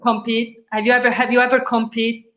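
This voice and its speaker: A woman's voice: on the high side, little pitch movement, fairly bright tone. Woman host in an echoey room. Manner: restates answers, halting and careful. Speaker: interviewer, host. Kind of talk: bilingual interview hosting.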